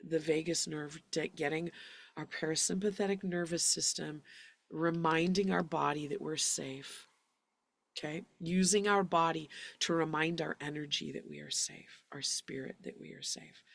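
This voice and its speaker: A woman teaching singing in a live online lesson, guiding breathing and relaxation in a gentle, encouraging way. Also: deep voice, fairly even intonation, a little slow, gravelly, no echo.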